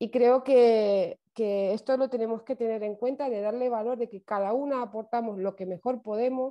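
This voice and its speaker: Speaking at a moderate pace with hardly any pauses, a woman keeps her fairly high voice fairly even in tone. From Romania. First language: Romanian (speaking Spanish). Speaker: activist, prostitution survivor. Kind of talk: webinar talk. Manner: halting, many fillers.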